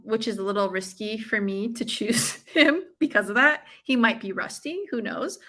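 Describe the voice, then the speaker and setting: Bright, high-voiced American woman livestreaming. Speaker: livestream watch-along host. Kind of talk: casual live chat with viewers and fight commentary.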